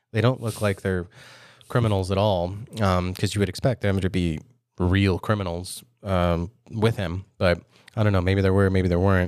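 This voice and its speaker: With a very deep, low pitch, a man talks in a flat monotone, pausing long and often, on a very clean recording with a silent background. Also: moderate pace. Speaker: podcast host. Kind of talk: casual banter.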